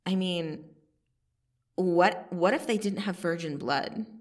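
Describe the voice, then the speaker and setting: A woman playing a cocky, teasing vampire assassin in an ASMR roleplay, casually menacing, with a sardonic delivery and long pauses. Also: lowish voice, recorded from a distance. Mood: scornful, mocking. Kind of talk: ASMR roleplay monologue to the listener.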